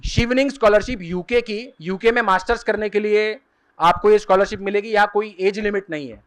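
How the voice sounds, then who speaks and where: High-voiced man giving a seminar talk. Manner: explanatory, repeats key terms slowly. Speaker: career guidance speaker. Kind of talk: lecture at a seminar. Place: seminar hall.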